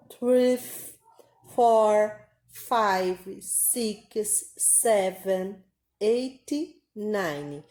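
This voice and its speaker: A woman's voice: mid-range voice, mellow. A woman with a Brazilian Portuguese accent teaching an online English lesson, explaining patiently and drawing out her example phrases. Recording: roomy echo.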